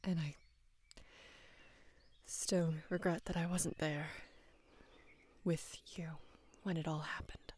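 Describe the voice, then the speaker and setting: A young woman in her twenties playing a devoted female knight in love with her queen, speaking hesitantly and deferentially in a soft, breathy voice for intimate roleplay audio. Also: low voice, fairly even intonation, exaggerated voice. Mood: tender, remorseful. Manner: hesitant, halting, deferential, earnest.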